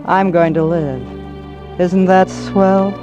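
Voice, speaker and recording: An actress playing a devoted young wife in a 1940s radio drama, with earnest, emotional delivery. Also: female voice, on the low side, steady tone, slow pace, over loud music. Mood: rueful narration. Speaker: radio drama lead and narrator. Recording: dull lo-fi vintage radio broadcast.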